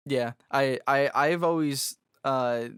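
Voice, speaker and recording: A man with a raspy, somewhat high voice, chatting loosely as a podcast guest. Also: slow pace, a bit bright, no echo, studio quality. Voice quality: raspy, higher voice. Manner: loose and jokey, lots of fillers. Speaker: guest musician. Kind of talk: casual podcast conversation.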